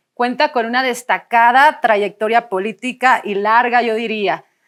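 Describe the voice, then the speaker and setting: A woman with a fairly high pitch speaks at a fairly slow pace in fairly even intonation, recorded very cleanly with a silent background. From Mexico, Sinaloa. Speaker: interviewer, TV host. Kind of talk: interview.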